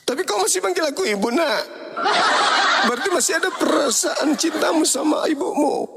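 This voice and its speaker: Brief: reproachful mother put on by a man, high shrill falsetto with wide swings, laughing as she scolds. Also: animated, normal speed, creaky, exaggerated voice. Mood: indignant. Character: indignant mother scolding her grown son. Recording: loud background noise.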